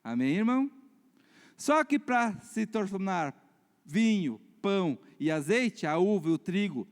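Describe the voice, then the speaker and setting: A Brazilian man preaches in a church, his voice sitting fairly high for a man. He moves from fervent, raised passages to hushed, confiding stories. The sound carries a long reverb from the hall. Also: a little slow. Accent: Brazilian Portuguese. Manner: animated, swings between loud preaching and quiet storytelling. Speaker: pastor. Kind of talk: sermon.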